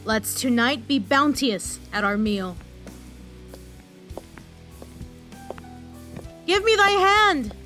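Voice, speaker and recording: Actress doing a high stately war leader lady, shakespeare radio play, slow and grand, music behind. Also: bright, forceful tone, full character voice. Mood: resolute, generous. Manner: stately, declamatory. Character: weary, honour-bound female military leader rallying her followers. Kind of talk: Shakespearean audio drama acting.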